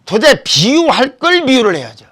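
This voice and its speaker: A man's voice: very high-pitched, huge pitch swings, normal speed, a bit bright. A man hosting a political commentary show, talking emphatically and posing rhetorical questions into a studio microphone.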